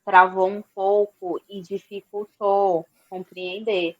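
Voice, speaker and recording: Female student, polite and formal, mid pitch, dull lo-fi call audio. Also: flat delivery, takes it slowly, dry recording. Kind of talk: question in an online class.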